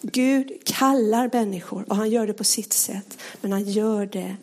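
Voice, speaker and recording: A woman preaching a sermon, earnest and pleading, often sinking to a hushed whisper. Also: mid-range voice.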